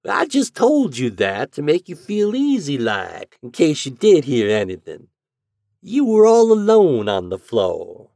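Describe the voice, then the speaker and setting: A man voicing a sly, cool old landlady who speaks in a slow, high drawl. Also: wildly swooping pitch, vocal fry, warm tone, dry recording, studio quality, exaggerated voice.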